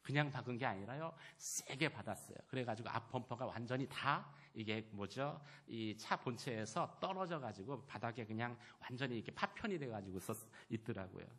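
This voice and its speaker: A man with a bright voice delivers a sermon in a church. He swings between loud, emphatic declarations and quiet, personal storytelling. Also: medium pitch, a little fast, few pauses. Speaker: pastor. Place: church sanctuary.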